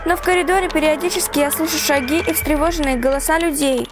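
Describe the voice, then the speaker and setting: A woman's voice: high voice, steady tone, fast, background noise. A woman voicing a frightened, anxious young woman stranded on a train in a horror text-message story. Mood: worried. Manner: anxious, breathless exclamations and pleas.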